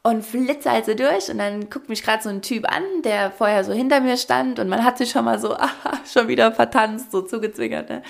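A young woman co-hosting a podcast, telling a story in lively casual chat and acting out quotes. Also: a little high, fairly quick, vocal fry, few pauses. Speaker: podcast co-host.

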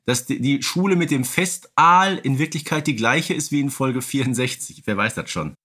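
Male podcast co-host, medium pitch, casual and wryly humorous. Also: animated, moderate pace, pushed and bright. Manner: humorous, tongue-in-cheek.

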